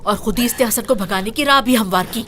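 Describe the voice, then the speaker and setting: A woman's voice: on the high side, brisk, crowd noise, close to an everyday voice. A woman playing a blunt, scolding older woman. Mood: stern. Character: stern, bossy older woman running a camp kitchen.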